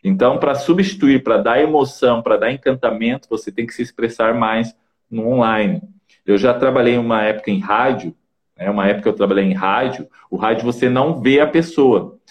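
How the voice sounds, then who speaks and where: A man's voice: medium pitch, a little fast. A man with a Brazilian Portuguese accent coaching on communication, in a didactic way that keeps checking in with short tags. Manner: didactic, peppers speech with "tá?" and "né?". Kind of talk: casual advice talk in an online interview.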